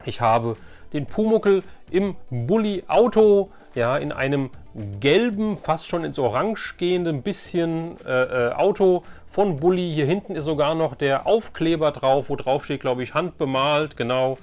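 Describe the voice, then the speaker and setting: Casting: middle-aged male vlogger, slightly high voice, enthusiastic rambling chat, light music underneath. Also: unhurried, a little mellow. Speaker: host of a vintage toy collecting channel. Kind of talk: casual chatty flea market haul vlog. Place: room at home.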